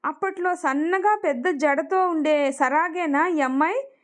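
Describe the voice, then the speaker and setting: A woman's voice: high voice, measured pace. A woman reading the lines of a talkative middle-aged woman chatting in a friendly way with old neighbours. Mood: chatty.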